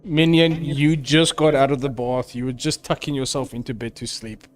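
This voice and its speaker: A man at a mid pitch runs a tabletop session as its game master. He describes each scene in a loose, halting way, pausing on fillers as he goes. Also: steady tone.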